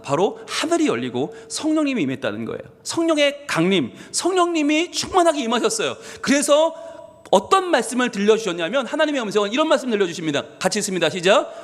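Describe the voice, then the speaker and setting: A male pastor preaching a sermon, emphatic and lively, leading the congregation to read scripture aloud. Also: high-pitched. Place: church sanctuary. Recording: long hall reverb.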